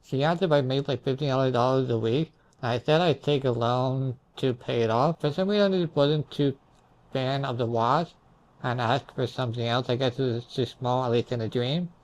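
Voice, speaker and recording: A man's voice: mid-range voice, normal speed, rough recording. A young man telling his dreams in a casual, rambling way, hazy and puzzled as he trails off into asides. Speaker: storyteller recounting own dreams.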